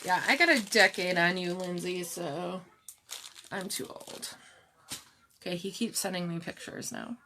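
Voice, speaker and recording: A middle-aged woman with a calm, soft-spoken voice, chatting slowly through a live jewelry showcase and answering viewers by name. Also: on the low side. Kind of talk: slow live-stream product showcase chat.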